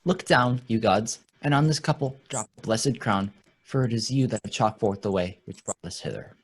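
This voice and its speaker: Man playing Gonzalo, a husky pious counsellor. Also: on the low side, normal speed. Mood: reverent, joyful. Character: Gonzalo, pious, wordy, kindly royal counsellor. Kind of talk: stage Shakespeare read as a radio play.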